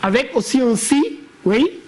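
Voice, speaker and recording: A woman's voice: high-pitched, lively intonation, measured pace, a little mellow, a little hiss or hum. A woman teaching a classroom lesson on verse. She explains step by step and calls on pupils by name. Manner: didactic, questions pupils by name.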